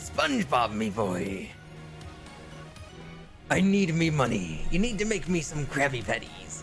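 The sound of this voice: Putting on a gruff character voice at medium pitch, a man speaks at a fairly slow pace with long, frequent pauses and very wide pitch swings. Music plays in the background.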